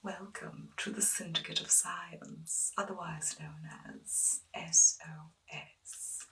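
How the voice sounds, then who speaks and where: Slow, whispering eccentric lady doctor played by a woman. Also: lowish voice, fairly even intonation, far from the mic, exaggerated voice, rough recording. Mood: welcoming. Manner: gentle, polite, soothing bedside instructions. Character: eccentric, courteous female doctor at a secret science syndicate. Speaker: ASMR roleplay performer. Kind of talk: whispered ASMR medical roleplay.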